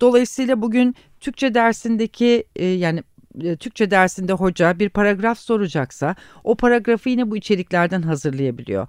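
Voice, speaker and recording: A woman with an ordinary speaking voice talks at a moderate pace in a medium pitch, her intonation lively, the sound dry and close with no echo on a very clean recording with a silent background. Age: 40s. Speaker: corporate sustainability director. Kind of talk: interview. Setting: studio.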